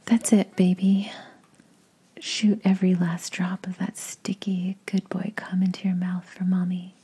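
Woman whispering right up on the mic, super breathy, dark mellow tone, takes her time. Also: lowish voice, little pitch movement. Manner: slow breathy whisper, coaxing and commanding. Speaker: adult audio performer. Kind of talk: intimate whispered audio roleplay.

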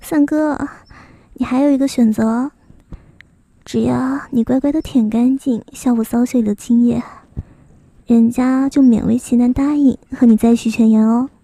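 A woman's voice: fairly high pitch, fairly even intonation, gravelly, dark tone, dry recording. Woman playing a coy, mocking young woman. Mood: taunting. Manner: coy, teasing, drawn-out sentence endings. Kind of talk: adult fan audio drama.

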